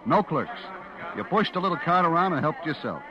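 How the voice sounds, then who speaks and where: A man's voice: on the high side, very animated, a little fast, crowd noise. An actor playing a brash, lovestruck young American supermarket clerk, telling his story confidingly in slangy radio suspense style. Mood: confiding, wry. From eastern United States. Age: young adult. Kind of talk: 1950s radio suspense acting, first-person narration. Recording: dull vintage radio recording with music.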